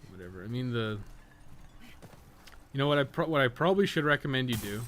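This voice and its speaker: A man with a mid-pitched voice talks over clearly audible background noise. He is streaming a game and rambles casually, blunt and opinionated, with plenty of swearing. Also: fairly bright tone. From North America. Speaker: game streamer and podcast co-host. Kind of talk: casual livestream chat while playing a game.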